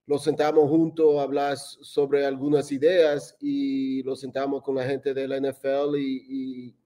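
Male director being interviewed, mellow tone, slightly high pitch, rambling casual answers with fillers. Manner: loose, meandering answers with English fillers.

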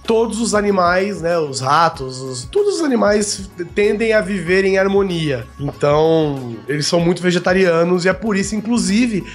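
Higher-voiced Brazilian man chatting over music. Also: lively intonation, moderate pace, few pauses. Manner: explanatory, tagging statements with "né". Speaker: podcast host. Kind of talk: casual podcast chat. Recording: music bed under the voice. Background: background music.

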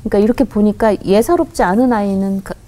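A woman guest on a radio interview, earnestly recounting a personal story with halting restarts and quoted voices. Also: mid-range voice, mellow, rough recording. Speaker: guest, company head.

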